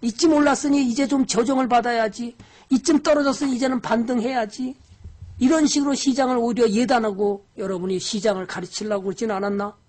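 A woman lecturing on stock investing in a lively way, firing off rhetorical questions to her audience. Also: a little high, brisk.

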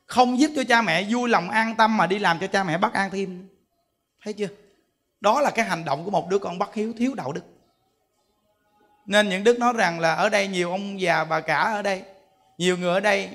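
A man giving a Buddhist sermon, telling stories in an animated way and acting out the voices of the people he quotes. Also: high voice. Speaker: Buddhist monk teacher.

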